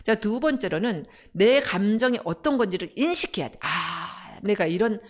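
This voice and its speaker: Woman, middle-aged, counseling director, lecture, lively pitch, mid-range voice, rhetorical questions. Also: normal speed. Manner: animated, asks the audience rhetorical questions. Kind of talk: parenting lecture on a live broadcast.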